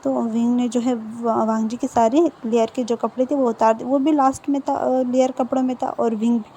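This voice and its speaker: A woman's voice: fairly high pitch, level tone, moderate pace, mellow, a little hiss or hum. A woman casually retelling a fan fiction story in a chatty, loose way. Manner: chatty, full of fillers and restarts.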